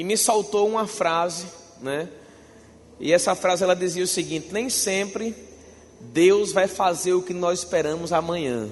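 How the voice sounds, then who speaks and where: Long pauses come often in this speech, while its pitch varies in an ordinary way. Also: man, high pitch for a man. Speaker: pastor. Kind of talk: sermon. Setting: church. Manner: softer than usual, trying not to raise voice; animated.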